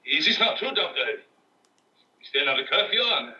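A man's voice: on the high side, very animated, moderate pace, sharp tone, far from the mic, heavily acted. An actor playing a nervous male townsman who insists on a curfew, questioning insistently in 1960s TV drama style, on roomy, dull old TV audio from afar.

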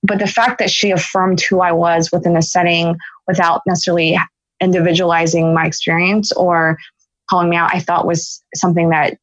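A woman's voice: fairly low pitch, little pitch movement, brisk, no echo, highs cut off. A woman in her forties from Philadelphia, a podcast guest telling her own story in an earnest, reflective way, often restarting her sentences. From Philadelphia, United States. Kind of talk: podcast interview, personal storytelling.

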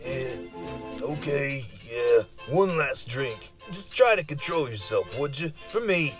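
A man's voice: mid-range voice, animated, slow pace, over music. A man playing an exasperated, cautious friend in an audio drama, wearily scolding with casual swearing. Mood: weary, pleading. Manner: weary, nagging, casual swearing. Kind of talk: audio fiction acting.

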